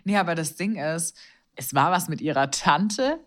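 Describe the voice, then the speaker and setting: A woman co-hosting a podcast in casual chat, relaxed and often laughing. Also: low voice, normal speed. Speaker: podcast co-host.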